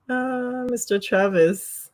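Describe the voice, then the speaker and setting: A woman's voice: fairly high pitch, a little mellow. A woman with a Jamaican accent hosting a casual livestream, chatting with viewers and laughing often at herself. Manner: giggly, laughs often, self-teasing. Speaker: livestream host. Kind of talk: casual livestream chat reading comments.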